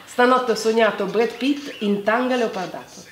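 A young woman with a fairly high voice talks in an animated, exclamatory way as a casual video host. She is in an echoey room at home, with faint noise behind her. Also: normal speed. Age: young adult. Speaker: video host playing a lip-reading game. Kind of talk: casual playful chat. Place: home living room with staircase, indoors.

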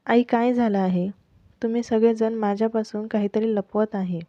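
A woman's voice: on the high side, steady tone, normal speed, warm tone, no room sound, lightly acted. A woman voicing a young pregnant wife who presses everyone with pleading, insistent questions about her missing husband. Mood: suspicious. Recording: dull lo-fi, dry close mic.

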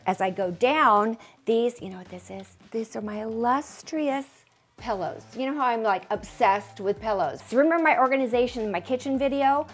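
A woman in her fifties giving a chatty, self-joking tour of her newly organized closet, talking straight to the camera. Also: fairly high pitch. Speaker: home organizing vlogger. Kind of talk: casual chatty home tour. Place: bedroom closet in a home, indoors.

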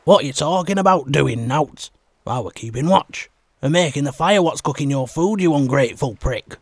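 Man doing a shouting outlaw. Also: on the high side, lively intonation, normal speed, no echo. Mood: indignant. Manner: shouting, indignant. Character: angry bearded male outlaw, bickering, loud.

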